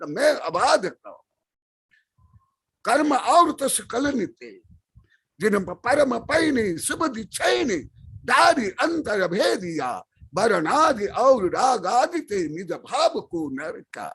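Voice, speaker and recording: An older man giving a sermon as a spiritual teacher, chanting verses and repeating key words with emphatic bursts of loud speech. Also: extremely high pitch, sing-song, slow pace, breathy edge. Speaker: Jain acharya preaching. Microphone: online webinar stream.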